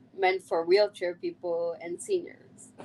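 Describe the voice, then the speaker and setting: Soft-spoken and fairly slow, a woman talks in a Canadian accent. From Canada (Toronto), born in Germany. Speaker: wheelchair user sharing her experiences. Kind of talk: interview.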